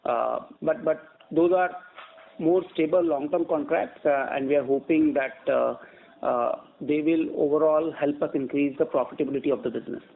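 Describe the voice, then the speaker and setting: Over a narrow, tinny phone line, a male company executive answers questions on an earnings call. His voice sits a little high for a man. He explains in a measured but halting way, repeating words as he goes. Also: creaky.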